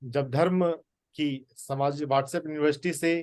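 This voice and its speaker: A man teaching the Gita in a spoken talk, slow and deliberate with emphatic pauses. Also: fairly high pitch, fairly even intonation, darkish tone, dry recording, clean studio sound.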